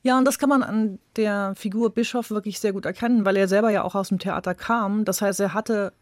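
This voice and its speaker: A woman's voice: mid-range voice, fairly even intonation, fairly quick, no echo. A woman speaking as an expert guest, explaining things emphatically in a spontaneous discussion. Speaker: expert guest in a radio interview.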